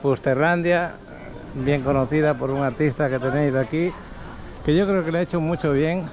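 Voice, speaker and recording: A man's voice: on the high side, moderate pace. A man from Spain with a Spanish accent, chatting casually as a travel vlogger outdoors on a street. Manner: friendly, chatty. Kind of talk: casual chat. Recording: noisy street.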